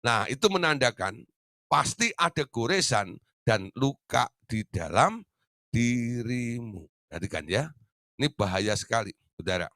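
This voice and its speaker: A man preaching with a bright, forceful voice that swings widely up and down. He keeps his sermon animated and playful, voicing the little reactions of the people he talks about. The sound is dry and close, with no room echo. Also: medium pitch, measured pace. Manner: lively, jokes and acts out quoted reactions. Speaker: pastor.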